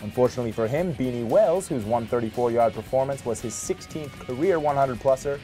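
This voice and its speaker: A male highlights narrator with a medium-pitched voice delivers a scripted sports voice-over. He is punchy and wry, stacking up statistics as he goes. Music plays beneath his narration. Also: a little fast, mellow. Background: music bed under the voice.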